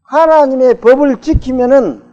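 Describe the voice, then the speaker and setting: Speaking in a very high, warm voice at a moderate pace, a pastor delivers a sermon in a church sanctuary. He talks with the congregation and poses questions to them, captured in a dull, echoing church recording.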